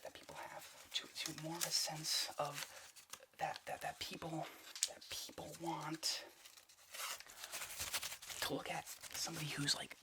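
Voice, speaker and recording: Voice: mid-range voice, very noisy. A person whispering an ASMR roleplay as an obsessive, paranoid conspiracy theorist, rambling and stammering over repeated phrases with urgency. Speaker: ASMR video creator.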